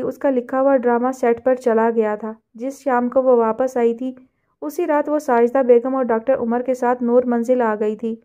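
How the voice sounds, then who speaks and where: A woman's voice: sits high, mellow. A woman narrating a novel as an audiobook, reading steadily. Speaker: novel reader.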